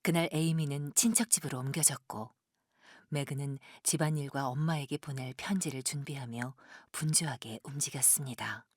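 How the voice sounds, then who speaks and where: A female narrator tells a drama in a gentle, measured way. Her voice is low and breathy, captured close with a very dry sound. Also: no echo. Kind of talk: scripted audio drama narration.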